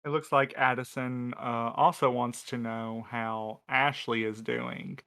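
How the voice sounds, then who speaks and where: A man in a casual podcast Q&A, answering in a measured, dryly humorous, slightly mock-formal way. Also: mid-range voice, fairly even intonation, pushed and bright, clean tone. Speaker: podcast crew member answering questions.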